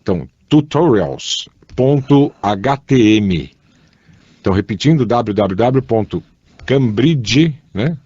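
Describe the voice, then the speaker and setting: A man co-hosting a casual radio chat show, slowly spelling things out and telling light jokes. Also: mid-range voice, expressive, mellow, slightly rough, no echo. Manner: slow, careful spelling out of web addresses, joking. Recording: dull, dry studio sound.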